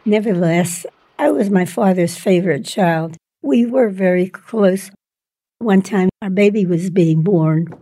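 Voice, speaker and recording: An older woman telling the story of her childhood in an oral history interview, slow and plain, with soft laughs. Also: mid-range voice.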